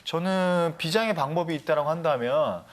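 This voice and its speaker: A man's voice: a little high, moderate pace. A man on a TV panel as a communication expert, lecturing earnestly with many fillers. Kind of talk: TV panel advice talk.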